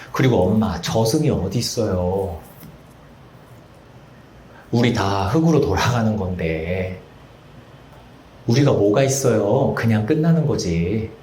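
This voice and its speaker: Casting: man doing a despairing grown son, low and subdued, echoey room. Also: dark tone, slight background noise. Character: despairing young adult son, quiet and flat.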